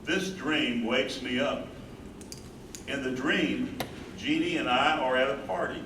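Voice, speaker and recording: A man's voice: mid-range voice, slow. A man playing a devoted, reflective husband who cares for his wife, in a dramatic staged reading. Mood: haunted, reflective. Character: devoted husband and carer, loving, troubled, reflective. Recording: echoey distant stage recording, clear noise.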